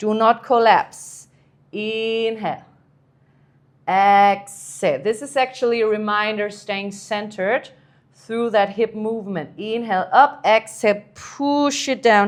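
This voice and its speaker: Fairly even intonation carries the words, spoken with a non-native accent. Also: woman, fairly high pitch for a woman, fairly slow pace. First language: not English. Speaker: pilates instructor. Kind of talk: guided workout instruction. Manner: calm, breath-cued pacing.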